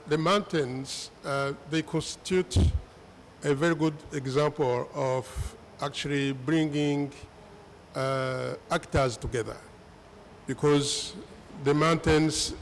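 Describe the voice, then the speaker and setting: A man from the African Great Lakes region gives a panel answer in a gravelly voice that sits a little high for a man. He talks haltingly, with many pauses, fillers and restarts. Faint noise runs under the recording. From East Africa, Great Lakes region.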